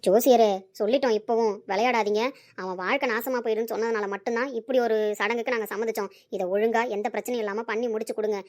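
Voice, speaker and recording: A woman's voice: on the high side, steady tone, quick pace, darkish tone, close to an everyday voice. A woman voicing a stern, protective middle-aged mother who warns an astrologer in an amateur audio drama. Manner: stern, warning.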